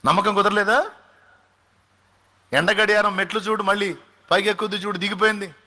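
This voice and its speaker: A man's voice: high-pitched, level tone, quick pace, pushed and bright. A male pastor delivering a sermon in an emphatic style, repeating phrases and asking rhetorical questions.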